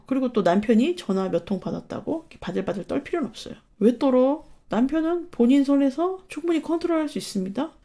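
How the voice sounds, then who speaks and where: A woman in her thirties talks casually on her own channel, giving blunt, emphatic advice that carries some profanity. Her voice sits a little high but sounds mellow and warm.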